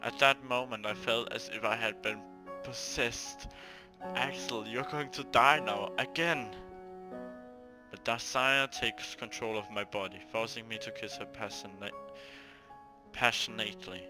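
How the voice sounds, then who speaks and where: A man with a lowish voice reads a visual novel aloud for a gaming video. His delivery is halting, with stumbles and repeated words, mixed with casual commentary. Music plays clearly behind him.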